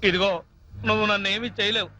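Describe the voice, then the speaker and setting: Panicky comic hero. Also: male voice, sits high, level tone, pushed and bright, slight background noise. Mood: nervous. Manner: whiny comic pleading, quick quips. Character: frantic cowardly comic hero, panicky and wisecracking. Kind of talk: film comedy dialogue. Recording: film soundtrack with clear music.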